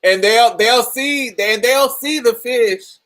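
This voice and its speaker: A woman with a deep voice hosting a casual podcast chat, telling stories with frequent laughter and calling the listener honey and baby. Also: slow pace. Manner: animated storyteller, laughs often, calls listeners honey and baby. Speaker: podcast host.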